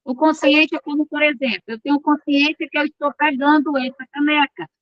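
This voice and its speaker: A woman's voice: high voice, steady tone, a little fast, no echo, dull audio. A woman teaching an online class. She reads from course notes and keeps checking in with her students in a chatty, informal way.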